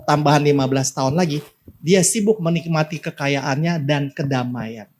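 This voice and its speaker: A male pastor preaching a sermon in a church, in a casual, slangy way, often speaking straight to the congregation. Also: mid-range voice. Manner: casual and slangy, repeatedly addressing the congregation directly.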